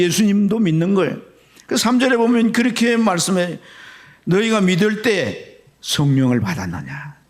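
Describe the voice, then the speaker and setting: A man preaching a Sunday sermon as pastor, telling a story with sudden swings between loud high passages and low hushed ones. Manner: storytelling with sharp swings in pitch and loudness. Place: church sanctuary.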